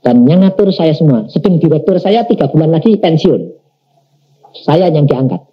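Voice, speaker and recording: A man's voice: a little high, big pitch swings, moderate pace. A middle-aged man, an evangelist telling his testimony in a sermon and acting out the dialogues. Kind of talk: storytelling sermon. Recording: dull lo-fi sermon recording.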